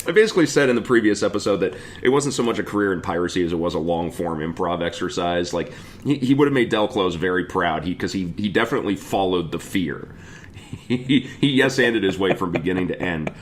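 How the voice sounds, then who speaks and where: A man co-hosting a casual podcast, laughing often and dropping quick asides as he leads the talk. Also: low-pitched, expressive. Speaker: podcast co-host.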